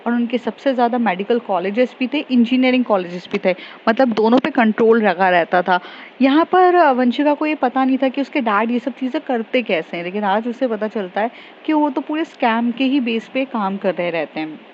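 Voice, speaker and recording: A woman retells a love story in a casual, chatty way, full of fillers and mixing English into her Hindi. Her voice sits slightly high. The recording is a bit dull, with a faint hiss behind. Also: animated, normal speed.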